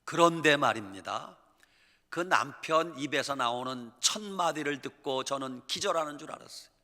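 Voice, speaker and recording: Emphatic male pastor with a bright voice. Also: on the high side, animated, normal speed. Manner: emphatic preaching, acts out quotes and animals. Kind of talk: sermon. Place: church sanctuary. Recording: reverberant church hall.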